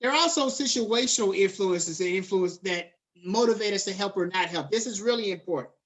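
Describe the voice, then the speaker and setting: A middle-aged man lectures his students in an easy, conversational way. He mixes textbook terms with relaxed slang and talks to the class directly. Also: high voice, fairly quick. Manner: conversational, drifts into casual slang. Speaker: college lecturer.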